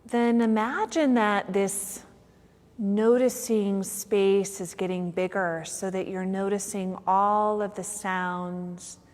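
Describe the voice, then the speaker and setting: Female yoga instructor for guided relaxation, slow-paced with long pauses, heard in a long, hall-like reverb. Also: medium pitch. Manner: unhurried phrasing with long pauses. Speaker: yoga teacher. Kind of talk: guided meditation.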